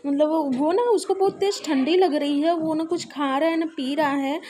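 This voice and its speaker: A woman's voice: high voice, normal speed, mellow. A young woman chatting casually through a family vlog at home, explaining at length with lots of fillers. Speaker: family vlogger and mother. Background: music and prayer sounds nearby.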